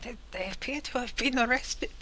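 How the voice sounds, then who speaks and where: A woman's voice: on the high side, moderate pace, sharp tone, slight background noise, rough recording. A woman playing a tabletop game in character, speaking hesitantly with stammers. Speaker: player.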